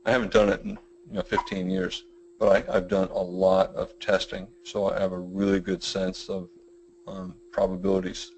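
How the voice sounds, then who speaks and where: Middle-aged guy with a deep flat monotone, rambling through a trading webinar, lots of you know's. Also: moderate pace, vocal fry, slight background noise, low-quality recording. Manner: rambling, with many fillers and restarts. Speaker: trading educator presenting a webinar. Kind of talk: webinar lecture.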